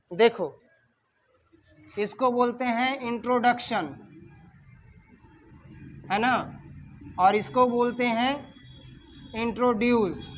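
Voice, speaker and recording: A male teacher teaching English grammar in a classroom, calling on students and dictating sentences word by word. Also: very high voice. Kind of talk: classroom lesson. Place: classroom with a whiteboard.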